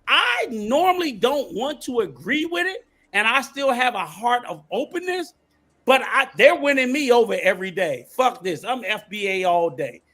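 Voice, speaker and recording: A man's voice: very high voice, very animated, moderate pace, fairly bright tone. A man on a podcast panel debating heatedly, insisting on finishing his point.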